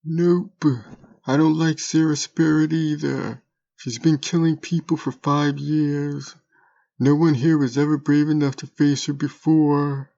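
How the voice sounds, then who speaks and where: A man's voice: fairly high pitch, level tone, a little slow, creaky, dark tone, lo-fi sound. A man voicing a smug, sly troll creature in an audio drama, with a sardonic, wheedling manner. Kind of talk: audio drama character acting.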